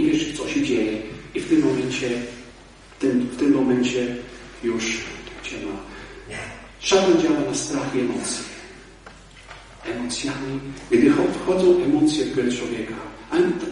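A man, a priest and exorcist, giving a lively, conversational talk to a church audience, shifting between loud emphasis and low asides. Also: slight background noise. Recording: echoey hall, mic far off.

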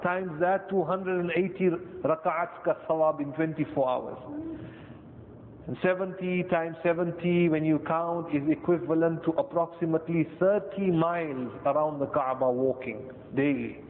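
A man with a South Asian accent giving a Muslim sermon, deliberate, in short phrases with pauses and repetition. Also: steady tone. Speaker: Muslim preacher. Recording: tinny band-limited echoey hall, rumbly noise.

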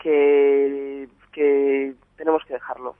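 A woman's voice: rumbling low, flat delivery, slow, no echo. Hesitant woman on a tinny phone. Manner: hesitant, apologetic. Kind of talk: radio prank call.

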